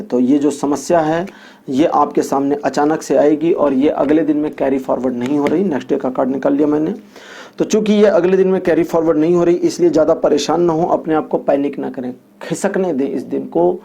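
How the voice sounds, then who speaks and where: Husky, gravelly-voiced man reading tarot. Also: on the high side, a little fast, dark tone. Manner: explanatory, repeats points, homely examples. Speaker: tarot reader. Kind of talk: weekly horoscope tarot reading.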